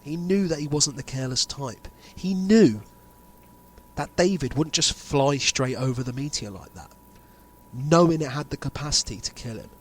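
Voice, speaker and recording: In an amateur audio drama, a man plays a grave insider exposing a sinister conspiracy, talking deliberately with dramatic pauses. His medium-pitched voice is animated with a breathy edge, and he sounds explanatory and intent.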